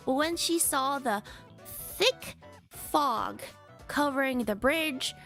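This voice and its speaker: A woman with a high, light voice teaches English vocabulary on a stream, switching between slow, deliberate English and quick casual Japanese. She answers chat with easy laughs, and faint music plays behind her. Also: fairly bright tone. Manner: chatty, laughs often, reads chat comments. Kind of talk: bilingual English lesson stream.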